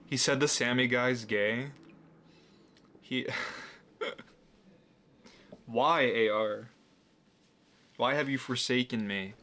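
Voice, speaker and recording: A man's voice: mid-range voice, extremely slow, pauses often, sharp tone, a little hiss or hum. A young man hosting a reaction video, talking casually with incredulous, mocking asides and frequent laughs.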